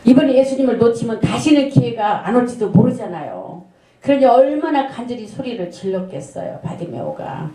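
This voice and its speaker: Middle-aged lady pastor preaching, earnest, lots of rhetorical questions, warmish tone. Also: a little high, sing-song, a little fast, a little hiss or hum. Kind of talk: sermon. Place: church sanctuary. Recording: echoey church room.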